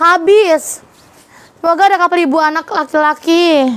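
A woman's animated, extremely high-pitched voice at a fairly slow pace. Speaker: clothing seller. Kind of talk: live sales pitch. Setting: live stream. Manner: animated, chatty. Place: shop. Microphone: phone near.

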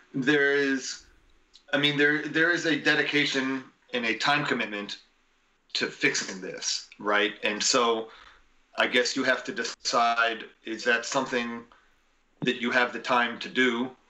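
Speaking at a fairly slow pace with long, frequent pauses, a man uses a medium pitch and fairly even intonation. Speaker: professional brass musician and band director; guest. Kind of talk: interview. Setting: live video stream. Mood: calm, explanatory. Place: home room. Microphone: video call.

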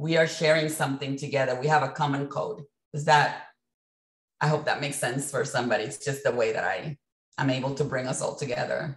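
Speaking with a Spanish accent, a woman's very deep, low voice moves at a fairly quick pace in a monotone, flat intonation. Audible room echo sits over a quiet background. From Puerto Rico. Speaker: writer and journalist. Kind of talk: panel discussion. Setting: video call. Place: home room. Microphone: video call.

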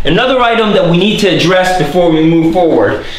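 Room echo is audible. The pitch varies in an ordinary way. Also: man. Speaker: renovation contractor. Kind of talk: tutorial. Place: bathroom. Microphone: camera far.

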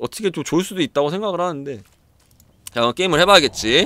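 Very fast and animated, a man talks at a high pitch with lively intonation. The sound is dry, with no echo. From South Korea. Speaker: gaming streamer. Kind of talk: live gameplay commentary.

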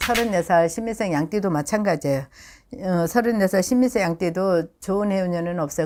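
A woman's fairly low voice at a moderate pace, ordinary pitch variation, music in the background. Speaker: shaman fortune teller. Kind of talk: fortune telling consultation.

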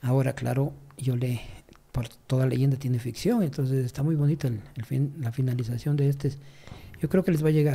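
A man with a somewhat breathy, dark and mellow tone, fairly even intonation and a fairly quick pace. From Ecuador. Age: 50s. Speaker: professor and author; guest. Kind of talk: interview conversation. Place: studio. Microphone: studio mic.

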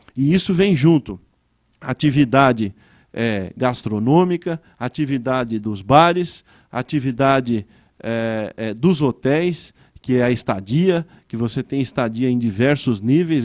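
The background is quiet as a man talks fairly slowly, his pitch varying in an ordinary way. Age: young. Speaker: state legislator. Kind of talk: formal speech. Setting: auditorium. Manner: hesitant with fillers. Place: hall. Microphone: podium.

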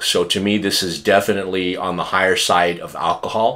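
Moving at a moderate pace, a man speaks with a fairly low pitch and a bright, sharp tone. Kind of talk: wine tasting commentary. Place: home room. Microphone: camera far.

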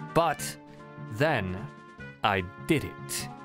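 A man's pitch swings very widely. Music can be heard behind him. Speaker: voice actor. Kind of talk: casual talk to camera. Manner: casual, rambling.

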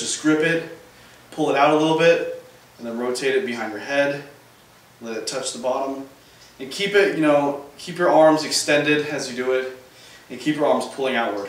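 A man speaks in a room with audible echo, leaving long, frequent pauses while his loudness swings widely. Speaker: fitness vlogger. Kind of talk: casual vlog chat. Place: empty room.

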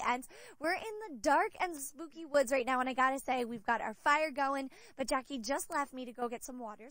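Raising and projecting her voice, a woman talks at a fairly quick pace in a bright, sharp tone with lively intonation, the sound dry with no echo. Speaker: TV news reporter. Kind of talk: live news segment chat. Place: forest. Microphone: handheld.

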